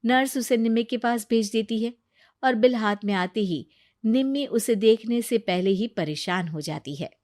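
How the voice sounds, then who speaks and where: A woman narrating a children's moral story in a steady, scripted storytelling manner. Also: a little high, normal speed, no room sound, clean studio sound.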